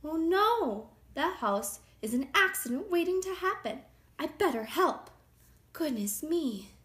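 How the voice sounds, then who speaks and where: A woman voicing a friendly male wolf in a storybook, gentle, polite and concerned. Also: sits high, animated, unhurried, pitched above the performer's own voice.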